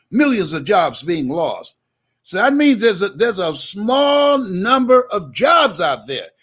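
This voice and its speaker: Fairly slow speech with very wide pitch swings, in a very clean recording with a silent background. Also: man, high pitch for a man. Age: 70s. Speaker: motivational speaker. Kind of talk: motivational talk. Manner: animated.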